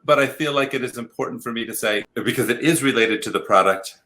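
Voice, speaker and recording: A man's voice: medium pitch, quick pace, pushed and bright. A man hosting a game show, calling turns and strikes and explaining his rulings in a game show host's delivery.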